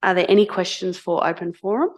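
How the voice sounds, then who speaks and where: A woman with a slightly low voice chairs a council meeting in a council chamber. She moves through the agenda in a brisk, procedural way.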